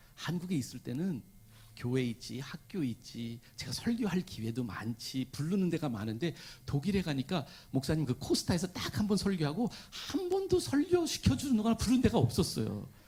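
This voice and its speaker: A man speaks in an animated tone at a fairly high pitch. His pitch swings very widely. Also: moderate pace. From South Korea. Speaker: pastor. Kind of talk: sermon.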